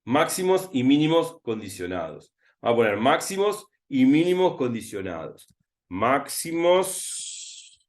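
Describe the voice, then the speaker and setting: A man with a Rioplatense Spanish accent tutors through a recorded math lesson. He talks to himself as he writes, drawing out and repeating key words at an unhurried pace. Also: mid-range voice, big pitch swings, darkish tone. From Argentina. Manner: thinking aloud while writing, repeating words slowly.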